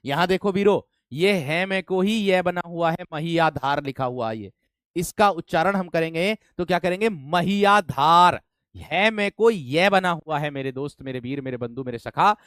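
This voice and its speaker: A man's voice: fairly high pitch, lively intonation, moderate pace, fairly bright tone, clear, resonant tone, no room sound, clean studio sound. A man teaching an online grammar class, explaining step by step and often calling his students friends and brave ones.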